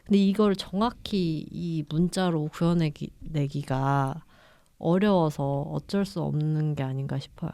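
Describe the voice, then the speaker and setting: A woman's voice: deep voice, measured pace, warm tone, no room sound, studio quality. A woman co-hosting a book podcast, explaining her thoughts carefully. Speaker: podcast co-host. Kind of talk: casual book discussion.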